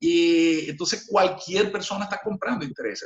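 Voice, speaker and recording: A man's high-pitched voice at a moderate pace. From Venezuela, Zulia (Maracaibo). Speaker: real estate businessman. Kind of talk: interview. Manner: hesitant, repeats words.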